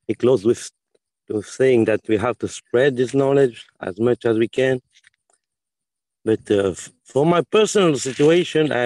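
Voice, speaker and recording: A man from Senegal in his forties, whose first language is French, talks haltingly on a video call, restarting his phrases often. His voice sits at a middle pitch. The sound is dry and close, with no room echo. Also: a little mellow. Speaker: panelist. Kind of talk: online panel discussion.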